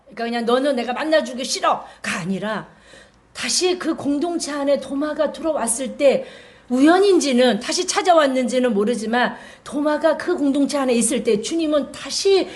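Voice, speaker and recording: A middle-aged woman pastor preaching a Sunday sermon in an animated way, often acting out the gentle voice of Jesus speaking to his disciples. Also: sits high, normal speed.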